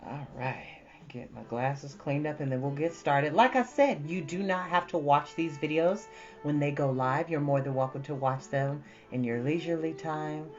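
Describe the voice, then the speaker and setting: A livestream host of about thirty chatting casually and exclaiming in an animated, talkative way. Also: mid-range voice, normal speed, dull audio. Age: 30s. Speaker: livestream host who reads books aloud. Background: prominent jazz music.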